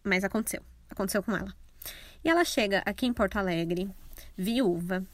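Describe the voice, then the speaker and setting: A young woman with a Brazilian accent tells a true crime story in a loose, chatty way, sarcastic and quick to swear. Her voice sits at an ordinary middle pitch. The recording is dry and close, with no room sound. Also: no echo. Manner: irreverent, sarcastic, swears freely.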